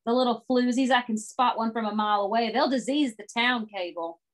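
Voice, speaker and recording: A woman's voice: on the high side, a little fast, lightly acted. A woman reading the part of an indignant, jealous wife, disgusted and moralizing, during a screenplay table read.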